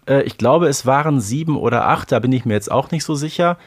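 Relaxed man podcast co-host. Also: mid-range voice, brisk, husky. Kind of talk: casual podcast chat.

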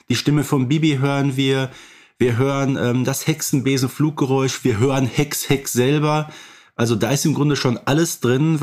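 A man's voice: medium pitch, darkish tone. A man co-hosting a casual podcast discussion, explaining things in a detail-minded way. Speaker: podcast co-host.

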